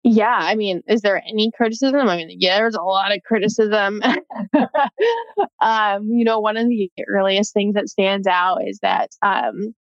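A woman's voice: mid-range voice, fairly even intonation, unhurried, no echo. Chatty woman on a dull, dry line. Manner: chatty, many "like" fillers, laughs easily. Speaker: sports reporter, guest. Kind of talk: casual interview chat.

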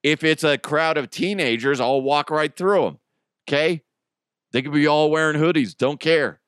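A man's voice: fairly high pitch, moderate pace, a bit bright, clean tone, no room sound, studio quality. A man, likely middle-aged, hosting a podcast with a casual, rambling, joking and crude monologue. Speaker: podcast host. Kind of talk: casual comedic monologue with ad reads.

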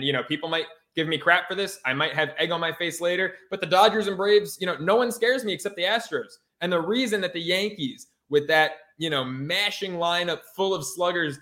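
A man's voice: fairly high pitch, sharp tone. A man co-hosting a sports podcast in a casual, brash, slangy style with some swearing.

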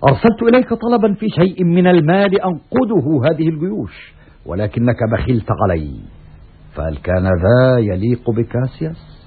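قائد روماني صارم بصوت أجش. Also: male voice, medium pitch, animated, moderate pace. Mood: righteous indignation. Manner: declamatory, scornfully angry. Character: stern, righteous Roman commander, scornful and unbending. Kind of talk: classical Arabic radio theatre acting. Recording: muffled, raspy, phone-like old radio recording.

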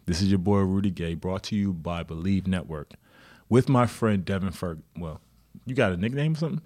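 A man's voice: deep voice, fairly quick, a little mellow. A man in his thirties hosting a casual sports podcast, playfully taking the other side. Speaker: podcast host.

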